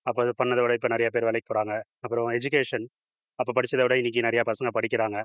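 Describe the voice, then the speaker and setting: A man's voice: medium pitch, flat delivery, rapid-fire, a bit bright, dry recording, clean studio sound. A middle-aged man on his way home from work, answering a street interviewer in short, listed points. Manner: listing points in short phrases. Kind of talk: street vox pop answers. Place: covered footbridge outdoors. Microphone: handheld interviewer mic.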